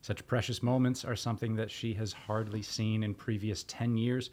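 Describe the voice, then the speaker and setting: A man's voice: fairly low pitch, little pitch movement, normal speed, a little mellow. A man hosting a podcast, reading out guest introductions and then asking friendly questions with some restarts. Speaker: podcast host.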